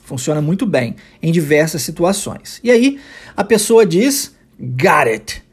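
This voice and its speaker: Husky-voiced man teaching English phrases. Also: a little high, very animated. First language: Portuguese. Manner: explains slowly, repeats English phrases for learners to copy. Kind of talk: podcast English lesson for Portuguese speakers.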